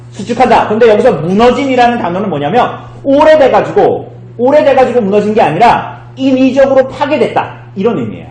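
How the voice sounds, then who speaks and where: A man's voice: high voice, echoey room, low-quality recording. A man leading a church Bible study, asking his listeners questions and acting out the quotes he reads. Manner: lively, asks the congregation questions and acts out quotes. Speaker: pastor. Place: church hall.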